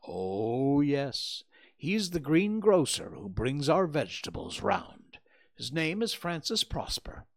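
A man's voice: fairly high pitch, big pitch swings, slow pace, pitched above the performer's own voice, heavily acted. A man reading aloud, voicing an anxious, earnest young woman in a pleading, breathless way. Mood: eager.

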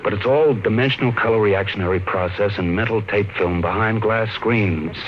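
A man's voice: fairly low pitch, moderate pace, close to an everyday voice. An actor playing a soothing, dismissive husband and father in a 1950s radio drama, with a placating, patronizing manner. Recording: faintly noisy old radio recording.

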